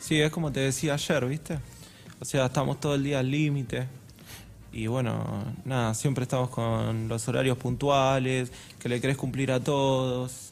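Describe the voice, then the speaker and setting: With music in the background, the speaker talks at a fairly slow pace in a monotone, flat intonation. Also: man, medium pitch for a man. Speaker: motorcycle courier. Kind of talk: radio phone-in interview.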